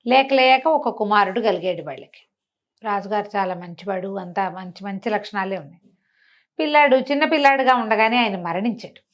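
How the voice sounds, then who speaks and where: A woman's voice: mid-range voice, brisk. A woman storyteller telling a folk tale conversationally to a listener, explaining as she goes and acting out the characters' dialogue. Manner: colloquial, explanatory, acts out characters' dialogue with asides.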